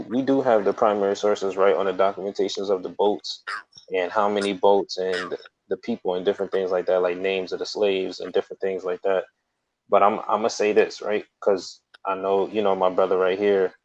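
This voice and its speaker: A man with a fairly deep voice argues in an informal debate. He is insistent and tends to repeat his phrases as he pushes his point. The recording is a little dull and lo-fi. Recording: dull, lo-fi audio.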